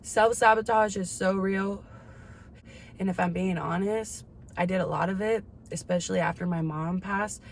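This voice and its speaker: A woman vlogger in her twenties talks candidly in a casual, confessional chat, using slang and swearing freely. Her medium-pitched voice holds a steady tone at normal speed. Ambient background noise is clearly audible.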